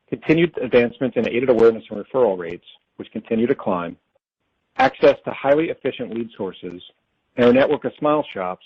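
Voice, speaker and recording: A man presenting as a company finance executive on an earnings call, reading prepared figures in a formal, measured way. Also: mid-range voice, husky. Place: conference call. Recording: dull, lo-fi conference call audio.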